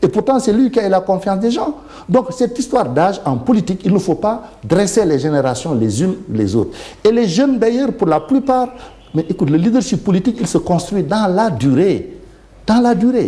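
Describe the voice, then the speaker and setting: Keeping his loudness very even, a man speaks at a high pitch with very wide pitch swings. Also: moderate pace. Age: 60s. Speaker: politician. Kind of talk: TV interview. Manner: animated.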